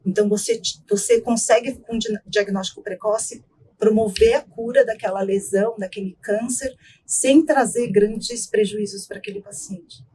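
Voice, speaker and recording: A middle-aged woman, an ENT doctor, explaining voice care in an interview in a measured way, often ending with tag questions. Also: medium pitch, warm tone, slight background noise, rough recording. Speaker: ENT doctor, guest expert.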